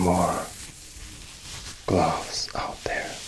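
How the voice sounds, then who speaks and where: A soft-spoken man talks in a gentle tone at a very slow pace. Noticeable background noise runs underneath. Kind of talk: ASMR personal attention ramble. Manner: soft-spoken, gentle.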